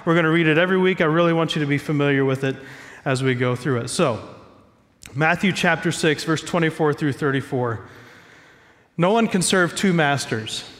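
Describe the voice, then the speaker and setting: A man's voice: a little high, moderate pace, long reverb tail. A man preaching a sermon as pastor, stuffy from a cold, talking in a conversational, self-joking way from a church stage.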